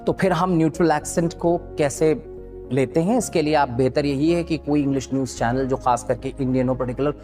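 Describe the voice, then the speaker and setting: A man's voice: on the high side, brisk, dark tone, faint music behind. A man with an Indian accent teaching spoken English, switching between Hindi and English with frequent fillers and restarts.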